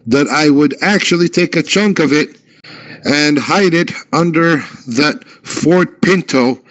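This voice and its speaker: A man's voice: a little high, slow pace, a bit bright, voice pushed up. A man voicing an angry, foul-mouthed male dog who is chained up and snarling threats, on muffled lo-fi audio. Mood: furious.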